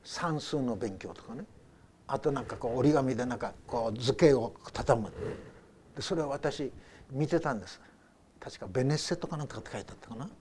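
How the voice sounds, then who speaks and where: A man's voice: medium pitch, lively intonation, fairly quick, a little mellow, a little hiss or hum. An older man, a pastor, delivering a sermon in a conversational, storytelling way with rhetorical questions.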